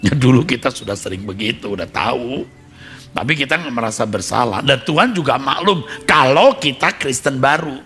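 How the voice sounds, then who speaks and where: Pendeta pria tua, suara serak bergemuruh. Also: male voice, expressive, moderate pace, soft background music. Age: older. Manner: emotive, acts out prayers and quotes with sudden loud high cries; addresses listeners directly as "saudara". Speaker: pastor. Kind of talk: sermon.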